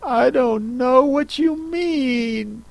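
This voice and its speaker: A man voicing a polite, puzzled young girl who speaks softly and cautiously. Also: extremely high pitch, vocal fry, no room sound, voice pushed up, full character voice. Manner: polite, cautious, soft and slow.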